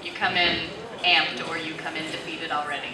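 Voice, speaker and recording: A woman's voice: low voice, level tone, normal speed. A woman, a voice actor, talking frankly and upbeat on a convention panel. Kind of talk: casual panel talk. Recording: echoey convention hall from far off. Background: loud crowd.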